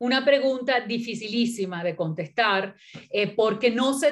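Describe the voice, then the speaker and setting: Against a quiet background, a woman speaks in a fairly high pitch. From Venezuela, Italian immigrant family. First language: Italian (speaking Spanish). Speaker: poet. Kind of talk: literary panel talk. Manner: halting, many fillers.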